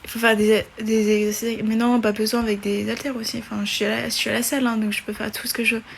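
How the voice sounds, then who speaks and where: A woman's voice: a little high, flat delivery, quick pace, creaky, slight background noise. A woman in her twenties hosting a casual live stream on her phone, reading viewer questions aloud and chatting back with many fillers and restarts. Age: 20s.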